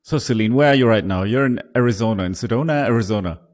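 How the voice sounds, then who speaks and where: A man's voice: medium pitch, quick pace, darkish tone, dry recording, studio quality. A middle-aged man from Germany hosting a podcast interview, enthusiastic and prone to repeating words as he starts a thought. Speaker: podcast host.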